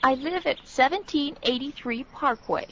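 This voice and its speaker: Woman, 70s, high, curt; dull recording. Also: normal speed. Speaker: dialogue speaker in a language lesson. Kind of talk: scripted dialogue. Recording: dull lo-fi recording with faint noise.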